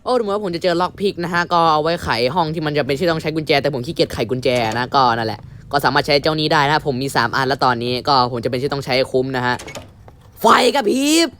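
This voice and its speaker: A young man commentating a horror game playthrough, switching between a mock-polite announcer tone and crude, shouty outbursts. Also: fairly high pitch, rapid-fire, few pauses, a little hiss or hum. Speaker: gamer commentating his playthrough. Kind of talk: casual gameplay commentary.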